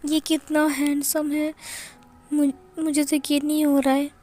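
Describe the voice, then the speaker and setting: A woman's voice: high voice, monotone, measured pace, dark tone, soft background music. Woman reading as a shy, stammering college boy. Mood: flustered. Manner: stammering, flustered. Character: shy flustered young male college student. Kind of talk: amateur fan-fiction reading.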